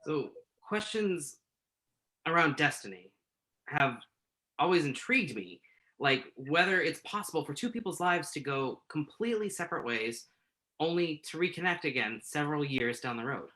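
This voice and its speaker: Bright-voiced, earnest male journalist played by an actor. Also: on the high side, expressive, normal speed, poor audio. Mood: tentative, musing. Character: male entertainment journalist, nervous, earnest, thoughtful interviewer. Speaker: actor in a virtual staged reading. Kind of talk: naturalistic play reading, conversational interview.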